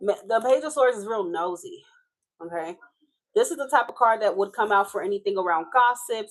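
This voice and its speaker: A woman's voice: medium pitch, rough recording. Chatty Haitian-accented tarot reader woman. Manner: casual, chatty, swears and laughs often. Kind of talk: live tarot reading.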